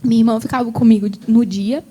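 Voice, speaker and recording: A woman's voice: on the high side, steady tone, fast talker, dark tone, breathy edge. A young Brazilian woman, a gospel singer, telling an emotional personal testimony in a TV interview. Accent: Brazilian Portuguese. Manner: tells her story with feeling, fillers like "sabe?".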